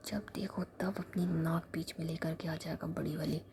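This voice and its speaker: Woman whispering as a playful clingy young woman, mellow tone, wheedling. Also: low-pitched, fairly even intonation, normal speed, vocal fry, a little hiss or hum. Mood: mocking. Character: teasing, clingy young woman pleading for a kiss.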